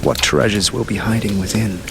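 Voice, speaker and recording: An actor playing a sinister nightmare trickster in an audio drama, telling a dark fairy tale in taunting, drawn-out, sing-song rhyme. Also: low-pitched, background noise. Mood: menacing, gloating.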